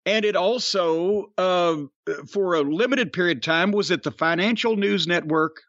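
A man's voice: high voice, moderate pace, a bit bright, no echo, highs cut off. A middle-aged man, hosting a wrestling podcast, drawling and storytelling as he quizzes his co-host. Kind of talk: casual wrestling podcast chat.

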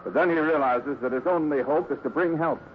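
A man's voice: on the high side, brisk, lightly acted. A man playing a florid, melodramatic storyteller, narrating a 1950s radio adventure. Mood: dramatic, tense. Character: urgent, dramatic adventure storyteller. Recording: muffled, very noisy 1950s radio recording.

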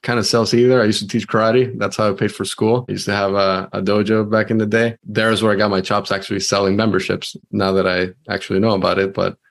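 A man's voice: on the low side, level tone, quick pace, gravelly, few pauses. A man from Venezuela, a sales leader, talking casually as an interview guest with frequent restarts.

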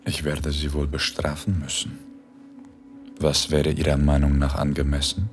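An actor playing a calm, seductive male philosophy professor who gives slow, measured commands in an erotic audio drama. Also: a bass voice, faint music behind. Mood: stern. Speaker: philosophy professor tutoring Spanish.

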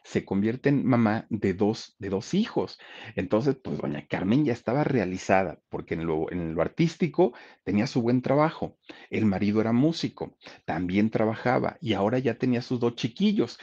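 A man telling a life story casually, talking right to his listeners. His voice sits low but moves with lively pitch. The recording sounds dull and lo-fi. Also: moderate pace. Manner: chatty, addresses listeners, many fillers.

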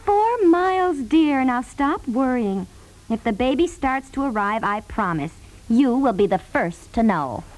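Lively, unworried young wife. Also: female voice, fairly high pitch, a little slow, low-quality recording. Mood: reassuring. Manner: light, reassuring, casual. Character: cheerful, unworried expectant wife and bridge player. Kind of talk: 1950s radio comedy acting.

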